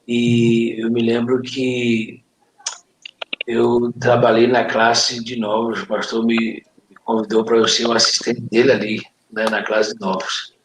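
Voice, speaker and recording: A man with a Brazilian accent reminiscing casually, in a halting, conversational way that often checks for agreement. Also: medium pitch, completely flat delivery. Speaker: participant in a church friends' live chat. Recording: echoey room, faint noise.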